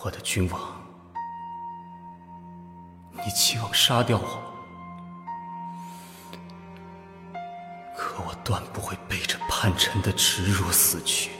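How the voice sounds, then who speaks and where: A man's voice: mid-range voice, sing-song, normal speed, music in the background, close to an everyday voice. An actor playing a proud male general who is imprisoned and interrogated in an audio drama, speaking in a defiant, restrained way. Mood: grave.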